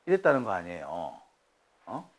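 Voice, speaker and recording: A man hosting a casual commentary show, retelling courtroom testimony in an animated, colloquial way with exasperated asides and acted-out quotes. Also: low voice, normal speed. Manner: animated storytelling, acting out quoted exchanges. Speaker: host.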